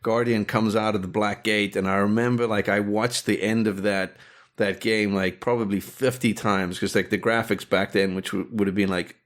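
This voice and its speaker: A man's voice: lowish voice, flat delivery, moderate pace. A middle-aged man from South Africa, a director talking casually in an interview, rambling with many restarts and fillers. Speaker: guest, director and animator.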